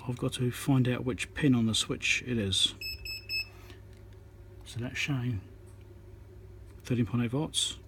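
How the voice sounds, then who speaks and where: An electronics repairer gives a relaxed, matter-of-fact hands-on lesson, thinking aloud slowly with long pauses. His medium-pitched voice is fairly bright with fairly even intonation. A little hiss or hum marks the phone-on-tripod recording.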